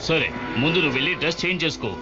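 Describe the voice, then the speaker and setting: A man's voice: fairly high pitch, very fast, natural voice. A man voicing an anxious, strict but doting father in a dubbed cartoon, with an emphatic, scolding manner. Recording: dull lo-fi cartoon soundtrack, loud music.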